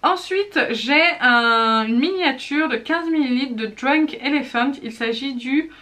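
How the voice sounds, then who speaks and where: A woman's voice: high-pitched, a little slow, bright, forceful tone. Woman, 30s, casual beauty vlogger; chatty, self-mocking, raised voice. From France. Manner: chatty and self-teasing, many fillers and restarts. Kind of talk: casual product review vlog.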